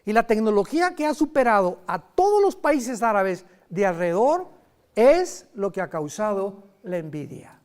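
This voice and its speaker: A man preaching a sermon in a lively, conversational way, with sudden loud emphasis and quick asides. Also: sits high.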